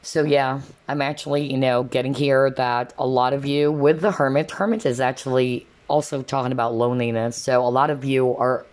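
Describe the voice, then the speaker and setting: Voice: mid-range voice, steady tone, normal speed, hardly any pauses, a little mellow. A tarot card reader talking casually to viewers in a conversational way, often checking in with a short questioning tag. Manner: conversational, frequently checks in with "okay?".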